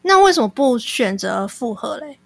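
A woman's voice: on the high side, big pitch swings, normal speed, gravelly, no echo. A woman hosting a call-in show, asking short questions and reacting with exclamations. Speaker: podcast host. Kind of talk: call-in radio-style chat.

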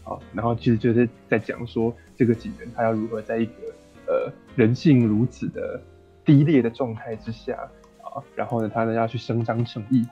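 Man, Taiwanese accent, mid-pitched, soft-edged tone, casual film talk, musing and halting. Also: flat delivery, highs cut off, faint music behind. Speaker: film podcast co-host.

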